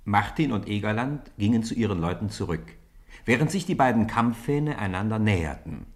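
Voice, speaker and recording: A man's voice: lowish voice, normal speed. A man narrating a children's radio play as a scripted, theatrical storyteller. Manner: theatrical, animated delivery.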